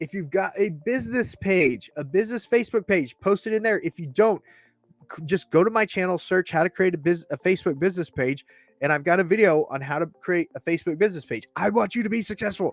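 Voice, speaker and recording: In a very clean recording with a silent background and a dry, close sound with no echo, a man speaks very fast in a high, animated voice with lively intonation. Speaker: real estate agent. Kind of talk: tutorial.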